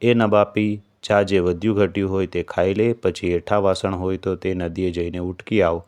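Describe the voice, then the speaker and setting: A man's voice: sits low, flat delivery, normal speed, a little mellow, smooth, natural voice. A man voicing a harsh older mother-in-law in a devotional story, speaking in a commanding, scornful way.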